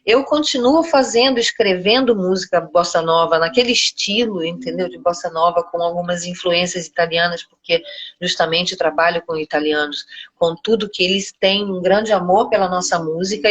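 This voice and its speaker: A woman's voice: on the low side, normal speed, fairly bright tone, breathy edge. A middle-aged Brazilian woman, a singer, talking casually as an interview guest.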